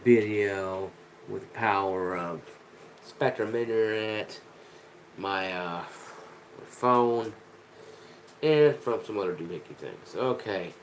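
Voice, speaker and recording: Man, nasal head-cold voice, lowish pitch, rambling frustrated rant, casual vlog, faint background hiss. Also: slow pace, pauses often, rough recording. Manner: rambling, frustrated, cursing, many restarts. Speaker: vlogger.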